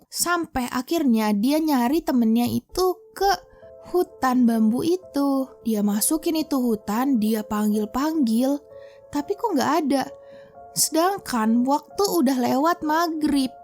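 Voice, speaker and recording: High-voiced chatty woman storyteller. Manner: chatty, slangy, addresses viewers as guys. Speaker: horror storyteller host. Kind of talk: casual horror storytelling to viewers. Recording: soft background music.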